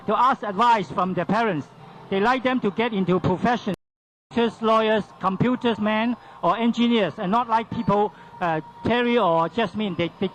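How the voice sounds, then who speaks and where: A man's voice: sits high, fairly bright tone, a little hiss or hum, low-quality recording. A man moderating a panel discussion. He asks probing questions and often ends them with "huh?".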